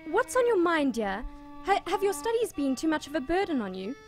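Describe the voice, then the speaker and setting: A woman acts a motherly, devout nun in a radio play, her voice pitched high. She is soothing yet hesitant and anxious to shield her church, with music in the background. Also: sing-song, brisk. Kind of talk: audio drama acting.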